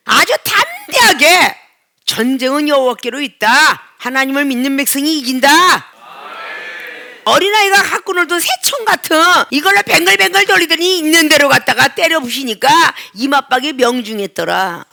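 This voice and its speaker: Woman pastor, very high bright voice with gravel, shouting sermon, church. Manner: shouting and crying out, acting out voices. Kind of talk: charismatic sermon.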